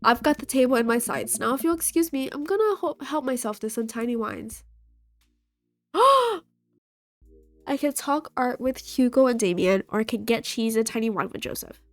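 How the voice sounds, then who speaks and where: Nasal from a cold, a young woman hosting a gaming video plays a dating game and reads it out playfully, giving every character her own voice. She speaks at normal speed, slightly high with lively intonation, on a dry recording with faint game music behind.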